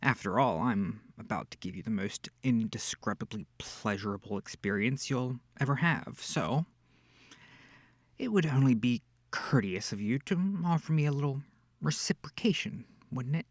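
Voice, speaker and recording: A man's voice: medium pitch, expressive, normal speed, dry recording, close to an everyday voice. A man playing a smug, seductive incubus demon in an intimate ASMR roleplay, with theatrical, teasing delivery. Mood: seductive, menacing. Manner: theatrical, teasing, purring, breathy asides.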